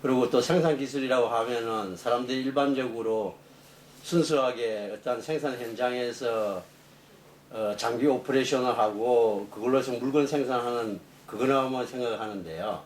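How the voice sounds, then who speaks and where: A middle-aged man, a professor being interviewed, explaining technical matters off the cuff in a halting way. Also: mid-range voice. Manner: halting, explanatory, rephrasing as he goes. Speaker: engineering professor, interview guest. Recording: echoey room, distant mic, faint noise.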